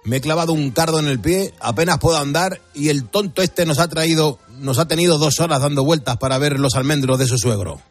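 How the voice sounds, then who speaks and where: Man playing a husky, exasperated Spanish lieutenant. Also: fairly high pitch, a little fast, no room sound, faint music behind, close to an everyday voice. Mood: grumbling. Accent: Spanish from Spain. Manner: cursing, commanding. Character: grumbling, exasperated army lieutenant. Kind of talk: comic radio sketch acting.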